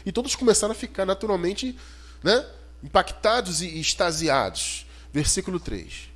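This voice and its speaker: A man with a Brazilian Portuguese accent preaching an expository sermon in an emphatic, didactic way, putting rhetorical questions to his listeners. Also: sits high. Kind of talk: expository sermon, teaching scripture verse by verse.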